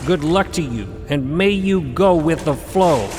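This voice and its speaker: A man's voice: on the high side, expressive, a little slow. An actor playing a wise, exasperated male cosmic mentor in a fantasy audio drama, pontificating with dry, impatient asides. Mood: grandiose. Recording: long cavernous reverb under loud music.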